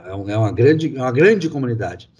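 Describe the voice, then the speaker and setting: Husky mellow-voiced man hosting. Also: medium pitch, animated, quick pace, dull audio. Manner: storytelling, many fillers and restarts. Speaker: host. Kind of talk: conversational interview.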